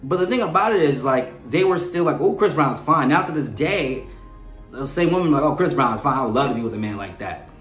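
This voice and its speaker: A man's voice: mid-range voice, expressive, brisk, fairly bright tone. Echoey man giving casual podcast commentary. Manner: conversational, often checks in with "right?". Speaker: podcast host. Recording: echoey room with faint music.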